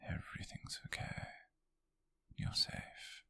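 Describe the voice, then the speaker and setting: A British man playing an obsessive, possessive coworker turned tender captor in an ASMR roleplay, speaking in a breathy, gravelly, coaxing hush. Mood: soothing, coaxing. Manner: slow, coaxing, hushed, intimate with pauses. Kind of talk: whispered ASMR roleplay monologue.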